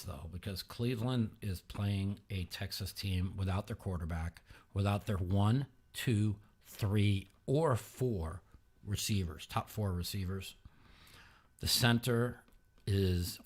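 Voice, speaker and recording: A man hosting a podcast in casual sports betting talk, sluggish and halting, with many fillers and restarts, sometimes speaking quietly. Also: lowish voice, husky. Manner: talks quietly at times. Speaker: podcast host.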